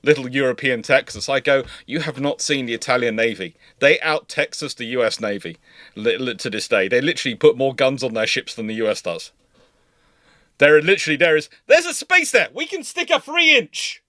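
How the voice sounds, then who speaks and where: A man hosting a casual livestream, talking in a rambling, animated way and often interrupting himself. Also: medium pitch, a little fast, no echo, clean studio sound. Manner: animated, rambling enthusiast with frequent self-interruptions. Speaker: livestream host.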